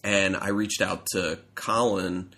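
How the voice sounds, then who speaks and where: Deep-voiced man with a stuffy cold. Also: flat delivery, slow, bright, forceful tone. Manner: rambling, self-correcting storyteller. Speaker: podcast co-host. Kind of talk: casual chat.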